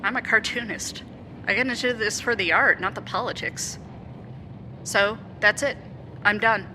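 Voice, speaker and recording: A woman's voice: medium pitch, pushed and bright, slight background noise, lightly acted, poor audio. A woman playing a resolute, principled interim mayor who is weary of politics and speaks firmly and plainly in an audio drama. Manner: firm, plain-spoken, deliberate.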